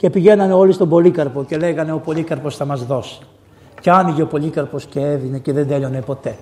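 A man, a priest, preaching a lively storytelling sermon in an amphitheater, acting out the dialogue of his story with sudden loud outbursts. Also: a little high, slightly rough. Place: diocesan amphitheater.

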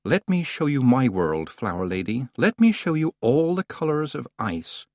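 A man's voice: mid-range voice, sing-song, moderate pace, darkish tone, no echo, clean studio sound. A man voicing a faint, cold winter spirit. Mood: eerie.

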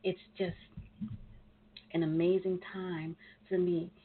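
A woman hosting a talk radio show, chatty and rambling with many pauses, sounding nasal and congested from a cold. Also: lowish voice, little pitch movement. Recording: tinny phone line with faint hiss.

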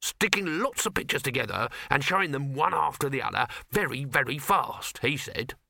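A man's voice: medium pitch, expressive, moderate pace, vocal fry, pushed and bright, dry recording, voice pushed up, exaggerated voice. A man voicing a cheerful, conspiratorial sausage hawker in a storybook, with colloquial, wheedling sales patter.

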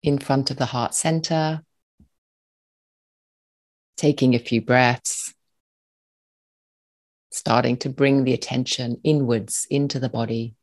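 Calm, even-toned meditation guide. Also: medium pitch, poor audio. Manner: calm, soothing, unhurried phrasing with short spaced phrases. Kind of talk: guided meditation, slow spoken instruction.

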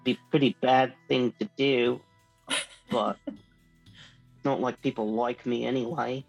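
A man's voice: mid-range voice, fairly even intonation, takes it slowly, creaky, highs cut off, faint music behind. A man playing a tabletop game, talking hesitantly with lots of stammers and self-deprecating remarks. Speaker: player.

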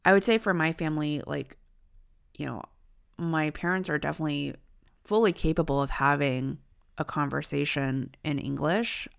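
Low, gravelly woman telling a family story. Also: normal speed. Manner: thoughtful, reflective storytelling. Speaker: podcast co-host. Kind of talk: casual conversation.

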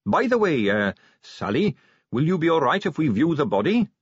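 A man's voice: fairly high pitch, sing-song, normal speed, breathy edge, no room sound, highs cut off, voice pushed up. A man voicing a young male watch captain who stays polite and cheerful but firm.

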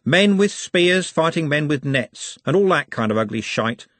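A man's voice: a little high, animated, moderate pace, fairly bright tone, no room sound, pitched above the performer's own voice. A man voicing a cocky, slender male street conjurer with a teasing, theatrical manner. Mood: dramatic, scornful.

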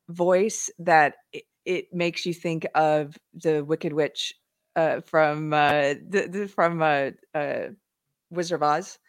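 A woman's voice: sits low, no echo, clean studio sound. A woman hosting a live online talk show, retelling events animatedly with frequent laughs. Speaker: livestream show host. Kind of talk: casual chat.

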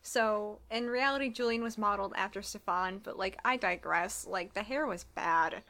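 A woman's voice: mid-range voice, moderate pace, creaky, bright, forceful tone. A young woman co-hosting a casual chat, talking freely with swearing and mimicking voices. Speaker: podcast co-host.

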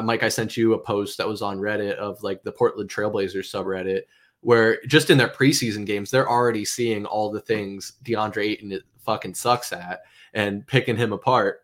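A man's voice: on the low side, steady tone, normal speed. A man co-hosting a live sports show, talking in a loose, rambling way and swearing now and then. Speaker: podcast co-host. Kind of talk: casual sports chat.

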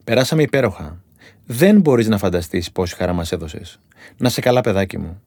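A man's voice: on the low side, lively intonation, warm tone, dry recording, clean studio sound. A man voicing a fond, grateful elderly woman while telling his story.

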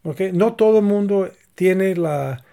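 A middle-aged man talks in an unhurried, measured way, laying out his points one by one. His voice sits a little high for a man. He sounds like a co-host giving advice in a relaxed conversation. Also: creaky. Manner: calm, explanatory, acts out little example dialogues. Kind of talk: casual conversation.

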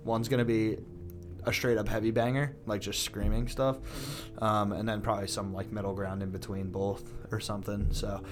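A man's voice: fairly low pitch, little pitch movement, moderate pace. Young guy in a metal band, chill sweary podcast chat, lots of "like", laughs a bunch. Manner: loose and profane, laughs often, fillers like "like". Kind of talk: casual chat.

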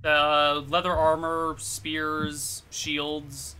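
A man narrating a tabletop game as game master in a casual, halting way. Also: on the high side, monotone, a loud crowd, rough recording. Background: music.

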